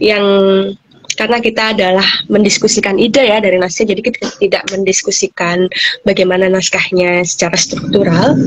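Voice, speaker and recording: The woman's voice sits at a medium pitch. Noticeable noise can be heard behind her. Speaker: discussion moderator. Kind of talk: discussion on a live stream. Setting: Instagram live stream. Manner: hesitant, many fillers.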